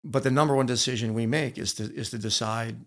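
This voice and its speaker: Speaking fast at a medium pitch with fairly even intonation, a middle-aged American man shares personal stories as a podcast interview guest. A former wrestler turned author, he's earnest and emphatic, repeating lines to drive them home.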